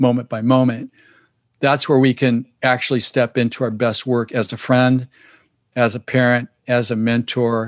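A man with an American accent speaks at a moderate pace and a medium pitch. The recording is very clean and dry, close with no echo and a silent background. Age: 60s. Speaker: performance coach, former Olympic cyclist. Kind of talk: interview.

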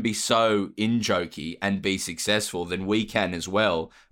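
A man's fairly low voice with an Australian accent, on a very clean recording with a silent background. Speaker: comedian. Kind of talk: casual interview.

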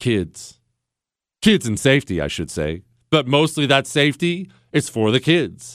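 With an American accent, a man speaks at medium pitch, his voice showing vocal fry and very wide pitch swings. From US West (Montana). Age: 40s. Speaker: political talk show host. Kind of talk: political talk commentary. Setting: studio. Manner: animated; sarcastic.

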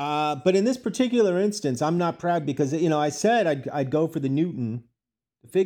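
An unremarkable speaking voice from a man with an American accent and lively intonation, against a quiet background. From US South. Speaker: podcast co-host. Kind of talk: casual banter.

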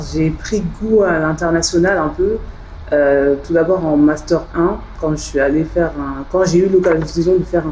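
A woman speaks at a moderate pace with ordinary pitch variation. Her fairly low voice comes through noticeable background noise. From France, Paris suburbs (Seine-Saint-Denis). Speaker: education program manager at a youth association. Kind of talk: interview conversation.

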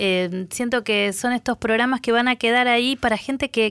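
An ordinary speaking voice at a moderate pace, with fairly even intonation and a dry, close sound with no echo. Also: woman. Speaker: radio host. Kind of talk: interview. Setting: radio studio.

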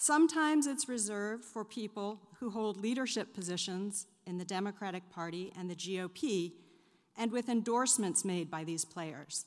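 A woman uses an ordinary speaking voice at medium pitch, speaking at a moderate pace with lively intonation. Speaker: anthropologist panelist. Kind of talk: conference panel talk.

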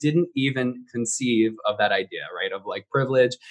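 A man speaks at a moderate speed and medium pitch. It is an ordinary speaking voice. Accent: American. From New Jersey. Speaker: psychotherapist co-host. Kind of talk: casual chat.

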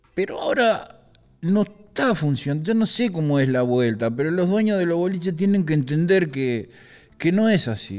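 With very even loudness but very wide pitch swings, a man with a high pitch speaks at a moderate pace amid audible room echo. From Uruguay, Montevideo. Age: 60s. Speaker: bassist and singer. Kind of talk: casual chat. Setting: radio auditorium.

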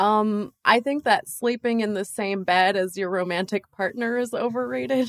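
A woman speaks at a moderate pace with hardly any pauses, her pitch fairly high and its variation ordinary. It is an unremarkable speaking voice, heard in a dry, close sound with no echo. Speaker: comedian. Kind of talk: casual chat.

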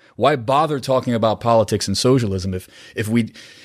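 Over a silent background in a very clean recording, a man with a normal speaking voice talks at medium pitch and a fairly quick pace. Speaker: podcast host. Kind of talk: casual interview.

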